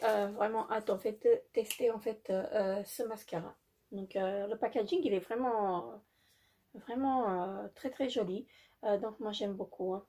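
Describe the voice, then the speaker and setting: With a fairly high but darkish voice, a beauty vlogger walks through a makeup haul casually and hesitantly. She uses many fillers, keeps saying "très joli," and apologizes for her English.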